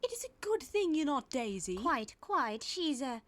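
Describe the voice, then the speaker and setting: Prim, gossipy female coaches from a children's cartoon, both done by one woman. The voice is chatty, lifted in pitch and bright in tone. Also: very animated, a little slow, exaggerated voice. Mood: gossipy, arch.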